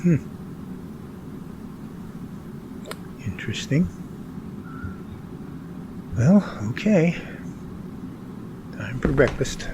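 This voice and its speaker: Man acting an animated, earnest young survey worker, noisy recording. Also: on the high side, takes it slowly. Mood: puzzled. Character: earnest 27-year-old male survey worker, anxious and bewildered. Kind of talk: amateur radio drama acting.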